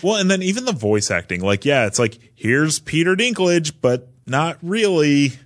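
A man's voice: on the high side, big pitch swings, moderate pace. A man co-hosting a gaming podcast in casual, joking banter. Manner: joking, uses mock quoted voices. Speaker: podcast co-host.

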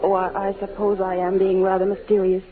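A woman's voice: medium pitch, completely flat delivery, fairly quick, music in the background, lightly acted. Woman playing an anxious, pleading young actress. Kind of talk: 1940s radio acting. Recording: muffled old radio recording.

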